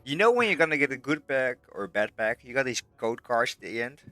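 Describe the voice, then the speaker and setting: A man's voice: medium pitch, very animated, fast, pushed and bright, no room sound, soft background music. A man hosting a tabletop game stream, chatting casually over an online call, joking and wandering off onto tangents. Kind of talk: casual chat closing a stream.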